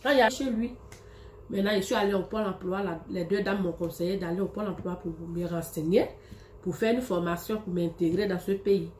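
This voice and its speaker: A woman's voice: medium pitch, fast, a little mellow. A woman giving interview answers in an office. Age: adult. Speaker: interviewee, migrant. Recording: echoey, noisy office camera sound.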